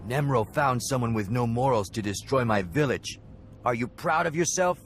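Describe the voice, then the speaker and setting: An actor playing an angry young tribal warrior who speaks in an accusing, fiery way. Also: male voice, mid-range voice, expressive, normal speed, slight background noise, close to an everyday voice. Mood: furious.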